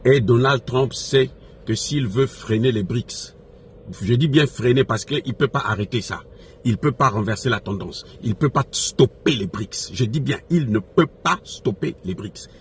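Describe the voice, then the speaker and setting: A man speaks in a medium-pitched voice as a political commentator. He talks off the cuff and with passion, hammering phrases by repeating them and throwing out rhetorical questions. There is noticeable ambient noise behind him. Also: moderate pace. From Africa. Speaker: political commentator addressing followers. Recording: noisy recording with background ambience.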